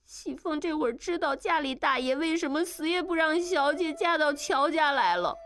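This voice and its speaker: A woman putting on a young maid in a storybook drama, high and tearful, pleading with her mistress. The voice is bright-pitched and lively. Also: moderate pace.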